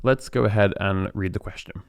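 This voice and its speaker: A man's voice: on the low side, brisk, vocal fry, no echo, studio quality. A young adult man hosting a podcast, talking in a reflective, chatty way, with plenty of fillers and restarts. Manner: reflective, chatty, lots of fillers and self-corrections. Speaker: podcast host. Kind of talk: relaxed podcast monologue.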